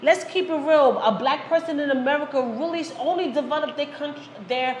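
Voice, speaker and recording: A woman's voice: sits high, brisk. A woman in a casual group debate on a talk show, blunt and slangy, swearing often. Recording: echoey room, faint background noise.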